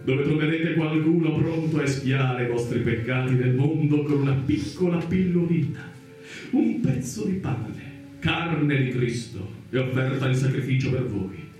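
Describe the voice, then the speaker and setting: A man's voice: mid-range voice, darkish tone, natural voice. Guy acting a pompous greedy catholic priest in a radio play, preachy n wheedling, super echoey, bit far from mic. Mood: stern, scolding. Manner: pompous, wheedling, chanting and exclaiming. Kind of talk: satirical radio theatre monologue. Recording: very echoey, distant, music behind.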